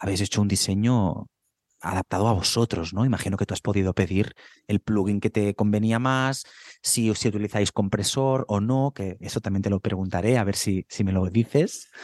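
A man speaks at a moderate pace with fairly low pitch and fairly even intonation. His dark, mellow tone sounds dry and close with no echo, against a quiet background. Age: 30s. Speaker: musical theatre actor and musician. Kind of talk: casual chat.

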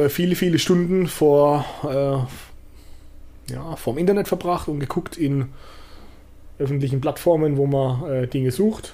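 Delivered at a very slow pace, the voice has a dark, mellow tone and ordinary pitch variation. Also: man. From Baden, Karlsruhe. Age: 40s. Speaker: DJ. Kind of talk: casual chat.

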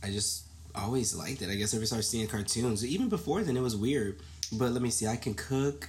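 Noticeable background noise sits under a man with an American accent and fairly low pitch. He moves at a fairly quick pace with ordinary pitch variation. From Chicago, South Side. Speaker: podcast co-host. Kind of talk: casual chat.

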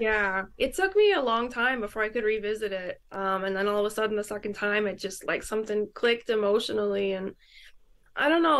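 A woman's fairly high voice with an upstate New York accent, at a moderate pace, against a quiet background. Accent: upstate New York American. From upstate New York (Syracuse). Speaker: filmmaker and actress. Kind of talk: casual interview.

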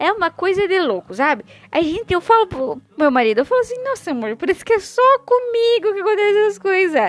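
In a dry, close sound with no echo, a woman talks at a moderate pace with an extremely high pitch and very wide pitch swings. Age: 20s. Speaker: podcast host, mother. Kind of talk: casual monologue.

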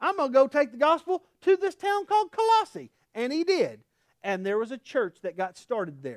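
A man with an Oklahoma accent, extremely high-pitched with very wide pitch swings, at a moderate pace, in a dry, close sound with no echo. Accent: Oklahoma Southern US. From Oklahoma, US. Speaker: pastor. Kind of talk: sermon. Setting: church. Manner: informal, filler words.

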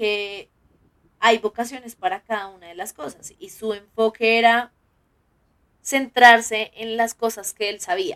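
A woman with a plain, everyday voice, fairly high in pitch and fairly slow in pace, in a dry, close sound with no echo. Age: 20s. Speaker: podcast host. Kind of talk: casual chat.

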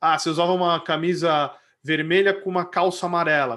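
This very clean recording has a silent background. A man speaks in a high pitch. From São Paulo, East Zone. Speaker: podcast host. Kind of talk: casual interview chat.

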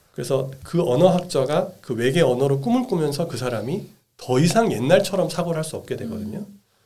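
With a dark, mellow tone and fairly high pitch, a man talks at a fairly quick pace with hardly any pauses, lively intonation and big swings in loudness. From Daegu, South Korea. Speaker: surgeon, clinic director. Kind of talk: interview conversation.

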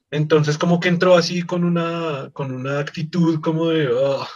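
A man's fairly high, somewhat breathy voice with fairly even intonation and a Colombian accent. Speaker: podcast host. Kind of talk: casual discussion. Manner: halting, repetitive.

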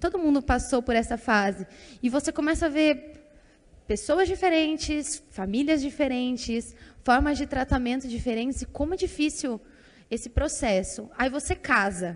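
A woman's high-pitched, shrill voice, lively in intonation, at a moderate pace. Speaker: church preacher. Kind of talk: sermon. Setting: church stage with PA.

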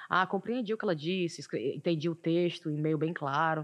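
A woman's fairly low-pitched, normal speaking voice, with ordinary pitch variation and a moderate pace. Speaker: journalist and podcaster. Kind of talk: casual interview.

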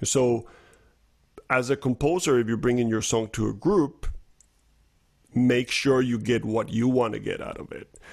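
A man with a Spanish accent speaks at a moderate pace and medium pitch, with ordinary pitch variation, big swings in loudness, and long, frequent pauses. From Colombia. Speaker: jazz bass player and music educator. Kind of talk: online workshop lecture. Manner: halting, many fillers.

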